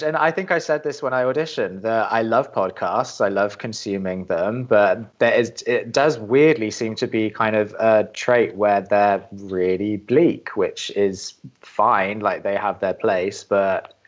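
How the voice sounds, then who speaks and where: A man, a voice actor, giving casual, thoughtful commentary in a halting way. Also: medium pitch, lo-fi sound.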